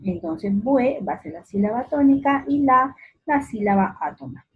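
A woman teaching a remote lesson to young children, slowly stretching out words syllable by syllable and speaking affectionately to the child. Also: high-pitched, animated, breathy edge, narrow, tinny audio. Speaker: primary school teacher.

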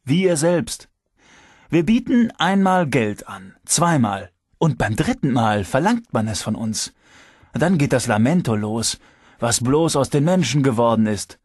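A man's voice: a little slow, breathy edge, dry recording. Male reader playing a teasing ex-cop security chief, lifts his voice, dry audiobook sound. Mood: earnest. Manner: lively, teasing, raised pitch. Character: shrewd, moralizing male security chief, ex-detective.

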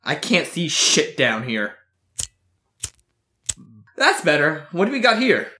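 A man's voice: fairly high pitch, very animated, slow, pushed and bright, a little hiss or hum, full character voice. A man voicing Danny, a young companion with a crude, sarcastic way of talking, in an amateur audio drama. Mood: joking.

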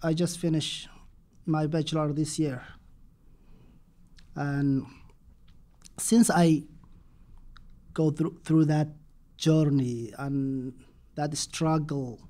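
A young man from Somalia giving a panel talk in second-language English. He speaks very slowly with pauses and restarts. His voice sits fairly high but sounds soft and dark. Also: steady tone. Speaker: panel presenter. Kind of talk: panel presentation.

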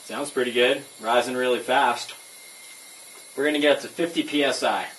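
A young man narrating a hands-on plumbing demonstration, explaining each step in a relaxed, casual way with fillers. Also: mid-range voice, moderate pace, slight background noise. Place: indoors in a tire-walled building under construction.

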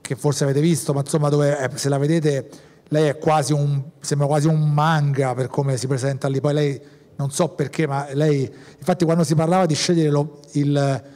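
Male director, rambling panel talk, slightly raised pitch, long hall reverb. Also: little pitch movement, moderate pace, warm tone. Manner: rambling, many restarts.

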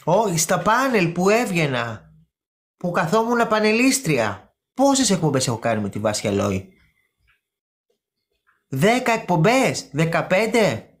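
A woman's voice: fairly low pitch, big pitch swings. A woman hosting a casual live stream, chatting and gossiping with her viewers, calling them by name and repeating words for emphasis.

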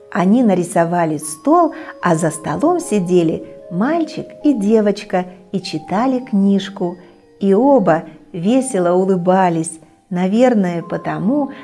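A middle-aged woman reads a bedtime story aloud to young children, gentle and expressive, at an ordinary pitch. She sits on a small studio set, and soft music plays faintly behind her.

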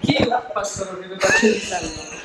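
High-voiced man in an echoey, noisy room. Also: brisk, over loud music. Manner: affectionate, fond of the pastor. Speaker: congregation member.

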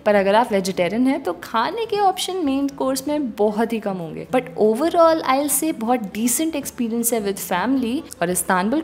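A young woman narrating a travel vlog voice-over in a calm, informative storytelling manner. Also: on the high side. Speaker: travel vlogger.

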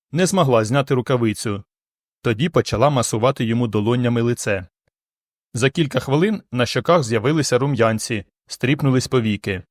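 A man narrates a science-fiction audiobook in a calm, even voice at a middle pitch. The recording is close and dry, with no room sound. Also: no room sound. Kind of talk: scripted narration.

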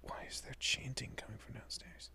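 A man playing a protective, easily bewildered young husband and father in an audio roleplay, with a husky, breathy, often whispering voice and halting, muttering delivery. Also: bright, forceful tone. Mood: anxious, hushed. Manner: halting, muttering, mild swearing.

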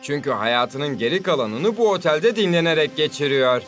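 A man's voice: a little high, lively intonation, normal speed, a bit bright, soft background music. A man voicing an earnest young male football player in a cartoon.

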